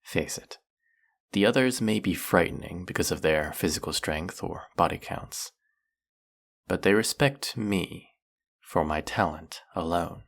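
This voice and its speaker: A man voicing a smooth-talking, snake-headed male villain who hypnotizes his captive in an audio roleplay, speaking in a silky, coaxing way. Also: deep voice, a little slow, heavily acted. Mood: boastful. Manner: silky, coaxing, soft-spoken and purring.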